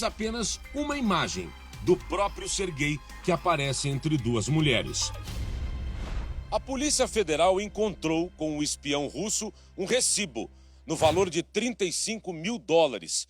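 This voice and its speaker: Lively Brazilian male news reporter. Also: high-pitched, dry recording, clean studio sound. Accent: Brazilian Portuguese. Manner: measured, emphatic reporter delivery. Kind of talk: scripted news narration and street interviews.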